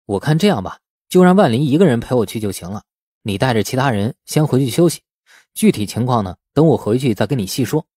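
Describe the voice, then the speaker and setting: A male narrator plays a tactful young businessman in an audiobook. His voice is low, husky and mellow, and he talks calmly, as if steering people gently to his view. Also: quick pace, no echo, studio quality.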